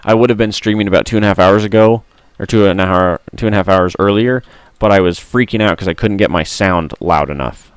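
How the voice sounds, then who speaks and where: A tired, hoarse man with a gruff, rough voice streaming a game, chatting and muttering to himself on a close mic. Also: on the low side, fast, hardly any pauses, dry recording. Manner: mutters to himself while playing. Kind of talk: casual gameplay stream chat. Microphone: close studio mic.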